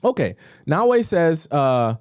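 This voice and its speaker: A man's voice: on the high side, very animated, slow pace, clear, resonant tone, no room sound, clean studio sound. A man hosting a live dating-advice stream, reading out viewer questions and chatting casually with asides. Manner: chatty, reads messages aloud with asides.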